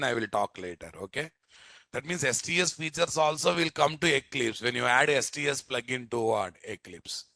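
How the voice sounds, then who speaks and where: A software instructor with a Telugu Indian accent teaches a live programming class, speaking emphatically, repeating phrases, and frequently testing listeners with short tag questions. His medium-pitched voice is gravelly and bright with a forceful tone, and there's no room sound.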